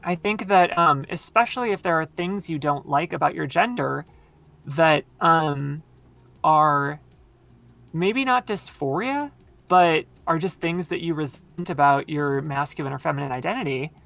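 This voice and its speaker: A woman with a very low voice, explaining at length in casual conversation with many fillers, her voice tired from long talking. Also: expressive, measured pace, creaky, fairly bright tone. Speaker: podcast guest.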